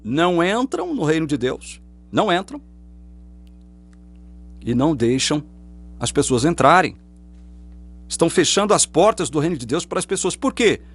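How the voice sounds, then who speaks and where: Emphatic, animated preaching man. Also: fairly high pitch, moderate pace, long pauses, husky. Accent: Brazilian Portuguese. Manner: emphatic, combative, rhetorical questions. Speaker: online preacher. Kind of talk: polemical religious monologue. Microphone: webcam or phone facing speaker.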